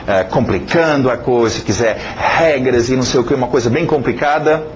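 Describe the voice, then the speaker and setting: A male English teacher, a native English speaker, introducing his course in casual, chatty Portuguese, often checking in with "ok?" and pausing on fillers. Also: mid-range voice, lo-fi sound, slight background noise.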